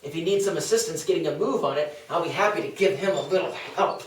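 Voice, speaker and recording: A man's voice: a little high, quick pace, lightly acted. A man playing a brash, scornful Athenian skeptic in a comedic table read, speaking with theatrical sarcasm. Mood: scornful, sarcastic. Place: small indoor meeting room. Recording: roomy, distant meeting-room pickup.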